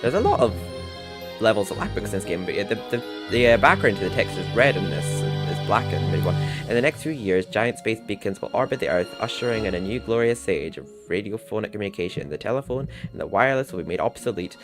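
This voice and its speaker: A man's voice: on the low side, expressive, fast talker. A young man chatting casually as he livestreams a game, rambling and laughing to himself. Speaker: gaming streamer. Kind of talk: casual gameplay commentary. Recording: game music playing underneath. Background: game music.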